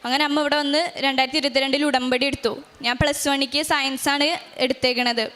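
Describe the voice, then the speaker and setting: A teenage girl giving an emotional personal testimony at a shrine, halting with frequent restarts and fillers. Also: high voice, level tone, fairly bright tone. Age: teens. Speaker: testimony giver. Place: shrine stage.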